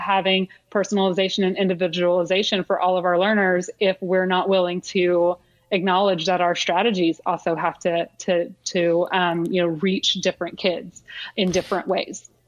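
A woman with a Texan accent speaks at a moderate pace in a medium pitch, her loudness staying very even. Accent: Texan Southern US. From north central Texas. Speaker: education consultant and instructional coaching advisor. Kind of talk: casual interview. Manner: animated.

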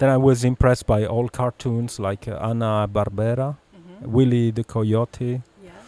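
An Italian accent at a moderate pace, with fairly even intonation, big swings in loudness and a dry, close sound with no echo. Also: man, medium pitch for a man. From Sardinia, Italy, partly raised in Switzerland. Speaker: pop art painter. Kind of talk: casual chat. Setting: outdoor street cafe. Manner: halting.

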